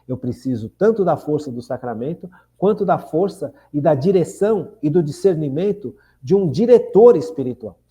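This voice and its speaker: Older man, sixties, Brazilian accent, warm relaxed tone, fairly high voice, earnest radio host, repeats phrases. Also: moderate pace, hardly any pauses. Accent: Brazilian Portuguese. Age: 60s. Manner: earnest, repeats phrases, asks listeners questions. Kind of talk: reflective spiritual radio talk.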